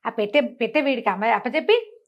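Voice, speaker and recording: A woman's voice: on the high side, expressive, fast talker, highs cut off. Grumbling, scolding village man, voiced by a woman. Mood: aggrieved. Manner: cursing, complaining.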